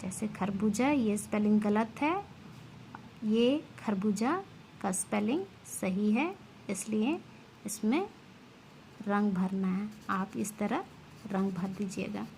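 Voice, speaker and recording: A woman teacher reading a children's lesson aloud, sounding out each word slowly and clearly for young pupils. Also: medium pitch, darkish tone, slight background noise. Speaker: school teacher.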